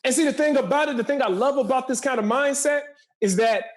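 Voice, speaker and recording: A man in his forties speaks in a strikingly high register. He delivers motivational talk with a preacherly drive, hammering key phrases by repeating them. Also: fast. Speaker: podcast guest, motivational speaker and entrepreneur.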